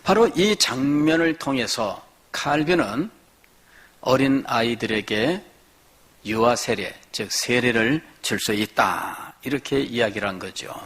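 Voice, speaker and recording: A man pastor gives a teaching sermon at a middle pitch for his sex. He explains verses step by step and briefly acts out the voices he quotes. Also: fairly bright tone. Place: church.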